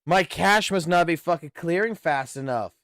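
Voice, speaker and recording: A man's voice: fairly high pitch, moderate pace, fairly bright tone, no echo, clean studio sound. A man chatting casually as co-host, blunt and interjecting, swearing often. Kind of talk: casual chat.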